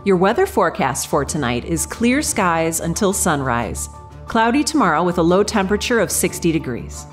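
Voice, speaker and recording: Animated radio newsreader. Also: female voice, lowish voice, normal speed, faint music behind. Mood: composed, businesslike. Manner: crisp, formal announcer delivery. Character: composed female local radio newsreader. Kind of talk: scripted radio news bulletin.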